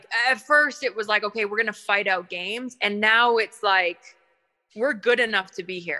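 There is music in the background. A woman speaks over it at a moderate pace. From Canada. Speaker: former footballer turned TV presenter. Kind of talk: casual interview chat. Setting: video call from home in Montana.

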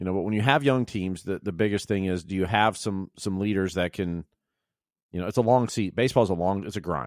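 A man with an ordinary speaking voice talks at a fairly quick pace with fairly low pitch and ordinary pitch variation, in a very clean recording with a silent background. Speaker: sports podcast co-host. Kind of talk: casual sports chat.

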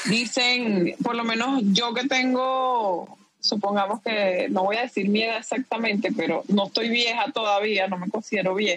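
A woman with a Caracas Venezuelan accent talks at a fairly slow pace with hardly any pauses. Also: fairly even intonation. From Venezuela, Caracas. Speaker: podcast guest. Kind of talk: casual chat.

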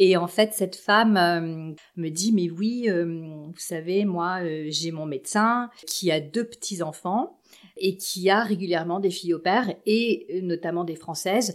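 Speaking at a very slow pace, a woman keeps to a medium pitch with ordinary pitch variation. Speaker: former expat in the US. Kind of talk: casual chat.

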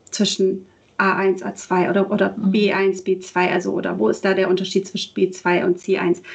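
The woman talks at a fairly slow pace in a monotone with flat intonation. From Germany, Mainz area. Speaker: language teacher and podcaster. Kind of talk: casual interview. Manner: hesitant with many fillers.

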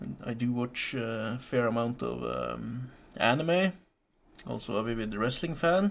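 A man with a Norwegian accent, talking at a fairly slow pace with lively intonation. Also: medium pitch for a man. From Norway. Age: 30s. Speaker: podcast host. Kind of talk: casual chat. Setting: bar. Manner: hesitant, many filler sounds.

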